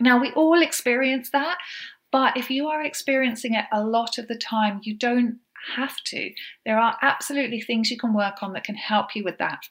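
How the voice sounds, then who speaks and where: With a British accent, a woman speaks at a moderate pace in a high pitch, using ordinary pitch variation. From UK. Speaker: leadership coach. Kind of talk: solo podcast monologue. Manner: voice lowered on purpose at times.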